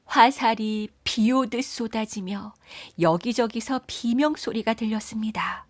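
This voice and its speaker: Woman storyteller for children's folktales, gentle and measured, dry studio sound. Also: a little high, no echo. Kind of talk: storybook narration.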